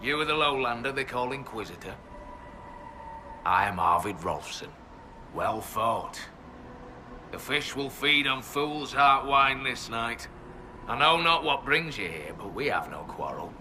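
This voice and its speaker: An actor playing a proud, wary tribal warrior in a fantasy video game, speaking in terse, formal, archaic phrases. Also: male voice, medium pitch, animated, unhurried, long pauses, pushed and bright, slight background noise. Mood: formal, measured. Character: proud, wary male hill-tribe warrior, plain-spoken and superstitious.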